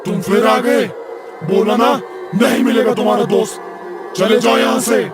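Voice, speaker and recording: A man's voice: high-pitched, fairly even intonation, moderate pace, creaky. A man voicing a menacing, vengeful pond ghost in a cartoon horror story, with a threatening, commanding manner. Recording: loud music under the voice.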